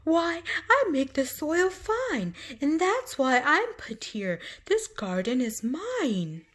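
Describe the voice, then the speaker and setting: A woman's voice: high voice, sing-song, takes it slowly, a bit bright, pitched above the performer's own voice, exaggerated voice. A woman voicing a humble earthworm who sighs and explains that it makes the soil fine. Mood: earnest. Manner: sighing, earnest.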